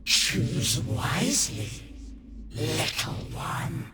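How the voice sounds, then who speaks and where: A woman voicing an ancient, cryptic, imperious spirit in a video game, with breathy, oracular delivery. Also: low-pitched, lively intonation, background noise, heavily acted. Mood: ominous, commanding. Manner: oracular, drawn-out phrasing. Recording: long reverb, music behind. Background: game music.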